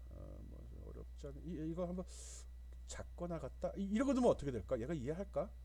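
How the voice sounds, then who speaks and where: A man is speaking. Room echo can be heard. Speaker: programming lecturer. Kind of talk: lecture. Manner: fast.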